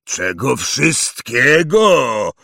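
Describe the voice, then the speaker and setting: A man voicing Hagrid, a huge, hot-tempered male half-giant in a storybook reading, booming, slow and emphatic. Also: huge pitch swings, vocal fry, a bit bright, dry recording, studio quality, heavily acted. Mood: angry.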